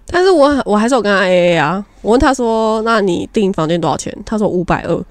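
Podcast co-host, young woman, Taiwanese Mandarin accent, animated storyteller, very dry close sound. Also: mid-range voice, fast talker, no echo. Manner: animated storytelling, frank and laughing. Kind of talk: casual chat.

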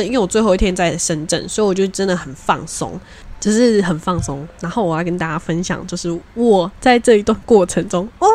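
A woman co-hosts a casual podcast. She talks at an ordinary middle pitch in a relaxed, conversational manner. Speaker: podcast co-host. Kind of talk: casual chat.

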